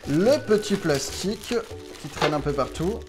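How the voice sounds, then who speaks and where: A man's voice: a little high, lively intonation, unhurried, over music. A man hosting a casual unboxing vlog, talking to viewers in a playful, self-mocking way from a room at home. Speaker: YouTube host testing gadgets.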